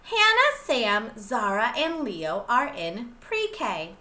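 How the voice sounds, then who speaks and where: A pre-K teacher, a woman, reading a picture book aloud to young children in an expressive, sing-song way. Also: a little high, slow pace.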